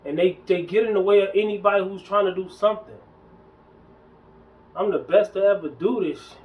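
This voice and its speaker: A man's voice: sits high, fairly quick, distant mic, highs cut off. Emphatic man in his forties ranting. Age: 40s. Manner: emphatic, preachy, slangy, repeats himself. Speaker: fitness vlogger. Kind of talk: casual ranting monologue.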